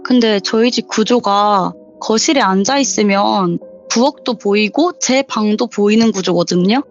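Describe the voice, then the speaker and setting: A young woman in a casual interview, chattily telling a true horror story and acting out the quoted lines with sudden rises in pitch. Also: a little slow. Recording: dull lo-fi sound with faint background music.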